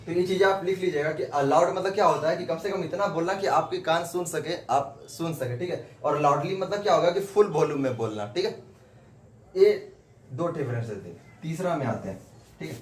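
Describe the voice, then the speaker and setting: A man with a rather high, brisk voice teaches English grammar at a whiteboard. He repeats his points and keeps posing questions that he then answers himself. The room is echoey, with faint noise in the background.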